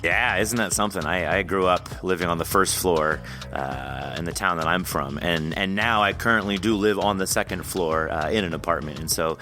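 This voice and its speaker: Male podcast host, low pitch, crisp bright delivery, rambling friendly chat. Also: moderate pace, hardly any pauses, soft background music. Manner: friendly, rambling, laughs often. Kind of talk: casual interview chat.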